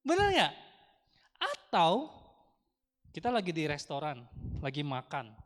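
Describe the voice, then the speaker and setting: A man's voice: on the high side, huge pitch swings, unhurried, fairly bright tone. A man with an Indonesian accent giving a chatty Dharma talk to a congregation, often asking the audience questions. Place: large temple hall. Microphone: handheld microphone through speakers. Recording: long hall reverb from speakers.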